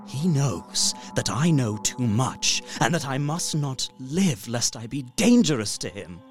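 Fearful young gentleman narrator. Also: mid-range voice, sing-song, unhurried, over music. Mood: uneasy. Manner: earnest, fearful, formal. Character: Jonathan Harker, horrified young solicitor recounting his journal. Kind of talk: dramatic first-person narration, radio play.

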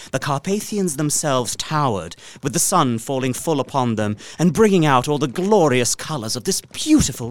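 An actor playing an earnest, uneasy gentleman traveller, narrating his journal in a deliberate, literary gothic drama style. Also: mid-range voice, lightly acted. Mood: intent, wondering. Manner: literary, deliberate, expressive storytelling.

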